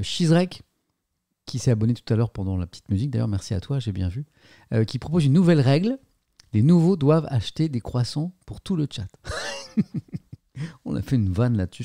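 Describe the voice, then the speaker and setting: A middle-aged man hosts a casual livestream, joking around and thanking viewers as he goes. His voice is mellow and warm, sits at an ordinary pitch, and sounds dry and close to the mic. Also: no echo. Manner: chatty, jokey, thanks subscribers, stumbles and repeats words. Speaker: livestream host. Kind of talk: casual livestream chat reading viewer messages.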